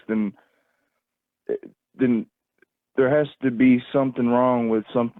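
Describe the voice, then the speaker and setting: Guy calling into a stream on a thin phone line, kinda low voice, rambles and stumbles repeating himself. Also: no room sound. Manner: halting, repetitive, searching for words. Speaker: call-in caller on a livestream. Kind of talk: casual rambling commentary. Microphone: phone call. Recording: tinny, narrow phone-call line, dry.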